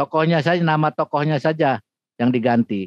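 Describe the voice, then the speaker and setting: The man's pitch is fairly high, with ordinary variation. He talks at a fairly slow pace. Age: 60s. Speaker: writer and lecturer. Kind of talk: Q&A writing workshop.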